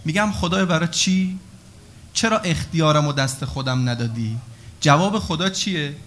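A male cleric gives an animated sermon in a high voice. He acts out back-and-forth exchanges with God and answers rhetorical questions one by one. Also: a little hiss or hum.

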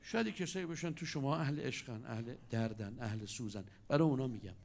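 A man preaching a sermon, telling stories with sudden swings between loud and hushed delivery. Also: medium pitch, expressive, creaky.

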